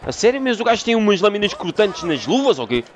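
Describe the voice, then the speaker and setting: A man with a European Portuguese accent giving excited gameplay commentary, swearing and rapidly repeating words. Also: high-pitched, highs cut off. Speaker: gaming commentator. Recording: loud crowd and game noise behind. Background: game crowd noise.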